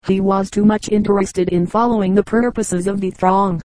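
A woman reading a novel aloud in a steady, measured narration. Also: medium pitch, dry recording, rough recording. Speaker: audiobook reader. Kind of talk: scripted narration.

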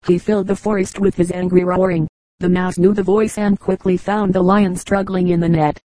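A woman reading fables aloud in a measured, even storybook narration. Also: on the low side, no room sound, low-quality recording. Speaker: audiobook reader.

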